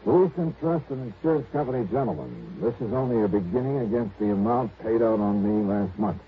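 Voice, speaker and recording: An actor playing a wisecracking, confident insurance investigator in 1950s radio drama style, snappy and wry. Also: male voice, on the low side, animated, brisk, natural voice. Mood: businesslike. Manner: snappy, wry, hard-boiled. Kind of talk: 1950s radio drama acting, hard-boiled narration. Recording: dull, noisy vintage radio recording.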